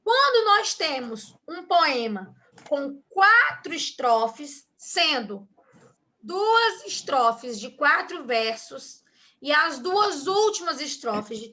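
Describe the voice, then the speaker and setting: Bright, high-voiced woman teaching slowly. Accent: Brazilian Portuguese. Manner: patient, checks understanding often. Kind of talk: online class explanation.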